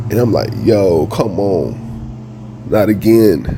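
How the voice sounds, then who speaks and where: The room echo is audible as a man speaks. Noticeable background noise sits behind him. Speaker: podcast host. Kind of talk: casual rant. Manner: halting, repetitive.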